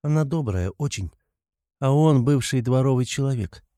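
A man reading an audiobook, voicing a timid, pleading poor young woman who talks in soft, halting, flustered tones. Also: medium pitch, animated, no echo, studio quality, voice pushed up, lightly acted. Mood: shy.

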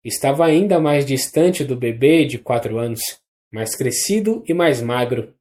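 An audiobook narrator with a Brazilian Portuguese accent, reading a classic novel in a measured, even way. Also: medium pitch. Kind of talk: scripted literary narration.

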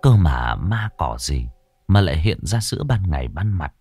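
A man narrating a ghost story. His voice is somewhat low with a very lively, swinging melody. The recording is close and dry, with no room sound. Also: moderate pace, slightly rough, no room sound, faint music behind.

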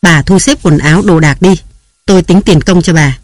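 A man's voice: high voice, moderate pace, no echo, studio quality, close to an everyday voice. A man reading aloud who voices a jealous, domineering young husband barking harsh commands and threats.

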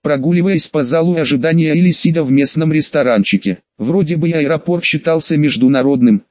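Man narrating an audiobook, slightly high, lo-fi. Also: a little mellow, no echo. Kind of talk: first-person scripted audiobook narration. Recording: dull, lo-fi dry recording.

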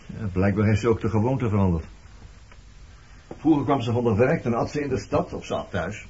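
A man acting in a radio play as an evasive, detached former lover, talking in a dry, offhand, probing and faintly mocking way with a husky, rough-edged voice. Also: fairly low pitch, animated, brisk, warm tone. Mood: musing, probing. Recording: dull lo-fi old radio recording.

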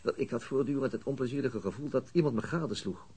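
An actor playing a weary, dry police detective in a radio drama, speaking in a deliberate, understated way. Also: male voice, medium pitch, a little mellow, slightly rough, lightly acted. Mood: uneasy, wry. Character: male police detective, weary, dry, recounting being shadowed. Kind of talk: radio drama acting, narrating and dialogue. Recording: noisy older radio drama recording.

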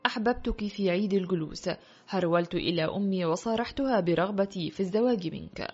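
A woman's voice: mid-range voice, quick pace, darkish tone, husky, natural voice. Woman reading as an ardent young crown prince. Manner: earnest and frank. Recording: dull lo-fi audio with faint music.

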